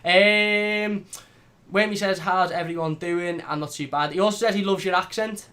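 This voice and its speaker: A man hosting a fan channel, chatting casually and reading out live comments, blunt and animated. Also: high-pitched, moderate pace. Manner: animated, blunt, swears lightly.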